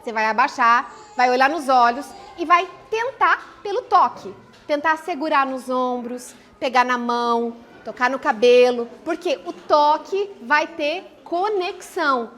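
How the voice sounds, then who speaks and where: A woman's voice: sits high, animated, a little slow, a bit bright. A woman giving a live parenting talk, explaining in a conversational way, often posing a question and then answering it herself. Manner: explanatory, poses and answers her own questions. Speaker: parenting speaker.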